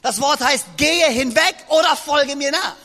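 High-voiced man preaching in an echoing hall. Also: a little slow. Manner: lively, joking, addresses listeners directly. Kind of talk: sermon to a congregation. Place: church hall. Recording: long reverb of a large hall.

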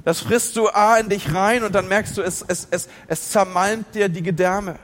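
Pastor preaching in a reverberant hall. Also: male voice, high voice, steady tone, normal speed. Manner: emotional, swings from loud outcries to hushed intimacy. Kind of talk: sermon.

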